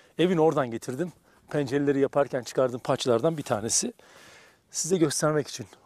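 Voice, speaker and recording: In a dry sound with no echo and a quiet background, a man speaks at a fairly quick pace. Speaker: bushcraft demonstrator. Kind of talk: tutorial. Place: forest.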